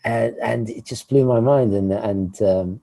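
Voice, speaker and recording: A man with a British accent whose first language is Italian, talking as a podcast guest in a halting way, often repeating words. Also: medium pitch, creaky, dark tone. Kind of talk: casual podcast chat.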